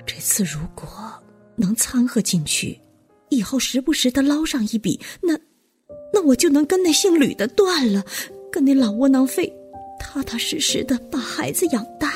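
A woman playing a weary, resentful village wife and mother in an audio drama monologue, speaking haltingly with sighs. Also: high-pitched, very animated, darkish tone, faint music behind. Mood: wistful, determined.

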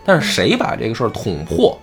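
A man's voice: mid-range voice, brisk, faint music behind. A man hosting a casual talk show, explaining a classic novel and acting out the quoted characters. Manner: animated, acts out quoted characters. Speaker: host.

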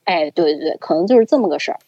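Animated young woman telling a story. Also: fairly low pitch, very fast, no echo. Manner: animated, chatty storytelling with fillers. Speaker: podcast co-host. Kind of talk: casual storytelling. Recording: slightly dull, dry recording.

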